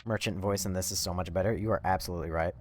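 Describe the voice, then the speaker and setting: A man doing casual live game commentary, rambling and swearing as he thinks out loud. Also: low voice, steady tone, racing. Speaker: live streamer. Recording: faint background noise.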